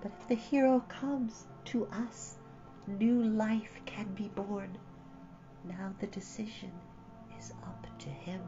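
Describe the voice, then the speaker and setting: Man acting childlike girl empress, soft light voice, slow, calm, resolute, storybook fantasy, muffled with music. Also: high voice, pitched above the performer's own voice. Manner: slow, calm, measured delivery. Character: serene, resolute childlike fairy-tale empress, young girl.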